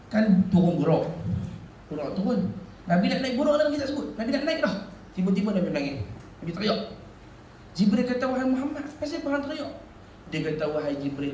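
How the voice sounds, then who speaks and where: High-voiced preacher in echoey hall. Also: male voice, a little hiss or hum. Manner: animated storytelling with laughter and acted quotes. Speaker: religious teacher. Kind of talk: village mosque sermon. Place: small village prayer hall. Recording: echoey hall, speaker far from mic.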